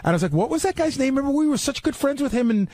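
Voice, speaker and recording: A man's voice: extremely high pitch, sing-song, very fast, warm tone, no room sound. A middle-aged man in a casual panel discussion, pressing his points with blunt advice.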